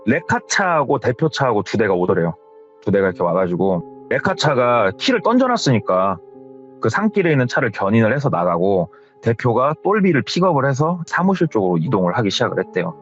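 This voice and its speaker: A male host narrating a listener's scary true story in a chatty retelling. His pitch moves a lot as he builds the tale. The recording is slightly dull, with faint music underneath. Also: quick pace. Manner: retelling with hearsay, lively delivery. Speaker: horror story radio host. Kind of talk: spoken horror storytelling.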